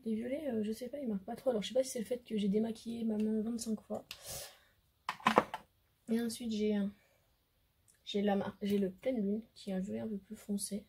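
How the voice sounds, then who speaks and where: A hoarse woman with a French accent, a beauty vlogger chatting casually to camera, hesitant and full of fillers. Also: a little high, flat delivery, brisk, pauses often, warm tone, slight background noise. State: hoarse, losing her voice. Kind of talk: casual makeup haul chat to camera.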